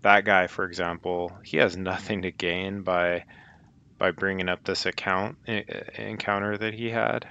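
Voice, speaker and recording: A man's voice: sits low, flat delivery, measured pace, vocal fry, bright, forceful tone, smooth. A man hosting casually, giving off-the-cuff commentary to listeners on clips he plays. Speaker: host playing clips for listeners. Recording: slightly dull, lo-fi audio.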